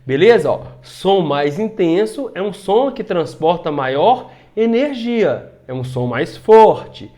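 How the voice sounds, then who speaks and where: A man's voice: high-pitched, lively intonation, takes it slowly, hardly any pauses. A man from Brazil giving an online physics lesson, explaining step by step and often checking in with his students. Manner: shifts loudness to demonstrate sounds. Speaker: physics teacher.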